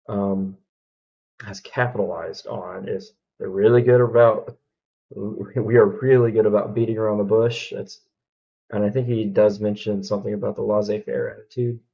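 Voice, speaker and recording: A low, gravelly man with a thick Southern accent, talking unhurriedly as he reacts to a video. His tone is dark and mellow, and he stops and restarts his sentences. The sound is dull and lo-fi. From Alabama, US Southern. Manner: halting, many ums and restarts. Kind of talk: casual commentary reacting to a video.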